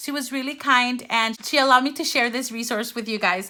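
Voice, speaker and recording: A woman with a Spanish accent speaks in a raised, projected voice, high in pitch with a bright, sharp tone. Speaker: YouTuber and elementary teacher. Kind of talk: product review. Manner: animated.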